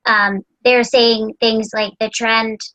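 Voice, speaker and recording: A woman's voice: fairly high pitch, flat delivery, slow pace, sharp tone, highs cut off. A woman host and voice actor chatting casually, with a chatty way of talking full of "like" and "you know.". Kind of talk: casual interview chat.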